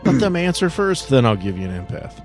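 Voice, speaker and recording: A man's voice: medium pitch, sing-song, fairly quick, vocal fry, soft background music. A man narrating a tabletop roleplaying game as the game master.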